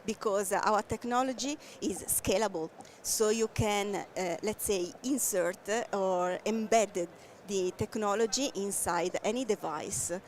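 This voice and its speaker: Italian-accented woman explaining slowly. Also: medium pitch, slight background noise. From Italy. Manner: explains slowly with many fillers. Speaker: tech company guest. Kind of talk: trade show interview. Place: busy trade show floor. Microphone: headset.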